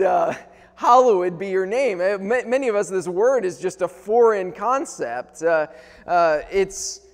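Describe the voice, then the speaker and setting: A man in his thirties preaching a sermon earnestly, often restarting and repeating words as he goes. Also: high-pitched. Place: large wooden-panelled church, indoors. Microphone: clip-on lapel microphone. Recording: long church hall reverb.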